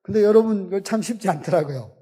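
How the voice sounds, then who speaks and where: A middle-aged man, a missionary pastor, telling a personal story in a sermon, halting and emotional with long pauses. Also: high-pitched, animated, warm tone, slightly rough. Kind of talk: sermon testimony. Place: church sanctuary.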